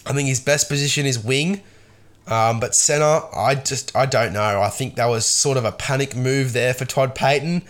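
A man's voice: mid-range voice, normal speed, fairly bright tone. A man with an Australian accent hosting a solo sports news podcast, talking casually and with strong opinions, his voice nasal and congested from a cold. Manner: casual, opinionated, many ums and restarts. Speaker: podcast host.

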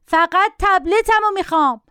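A woman's voice: very high voice, no room sound, studio quality, pitched above the performer's own voice. A woman voicing a spoiled little boy who shrilly demands his broken tablet back. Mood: sulky.

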